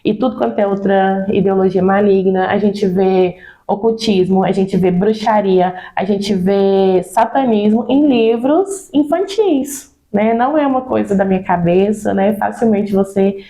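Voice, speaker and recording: Woman, Brazilian accent, mellow dark voice, earnest, repeats herself, conversational interview. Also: mid-range voice, a little slow, few pauses. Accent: Brazilian Portuguese. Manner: earnest, repeats words and tags with "né". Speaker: children's ministry guest.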